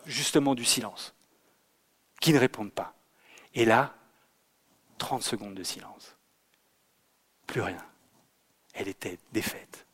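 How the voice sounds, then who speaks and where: A man, a theatre director, giving a lecture full of anecdotes. He acts out the scenes he describes, stumbling often over fillers and repeated words. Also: mid-range voice. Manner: lively storyteller who acts out scenes.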